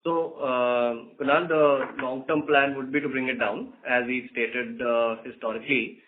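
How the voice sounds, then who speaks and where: Company exec guy on a call, mid pitch, phone sound, formal explaining. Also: steady tone, a little slow, a little hiss or hum. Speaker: company executive on an earnings call. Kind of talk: conference call Q&A answers. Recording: narrow phone-line audio.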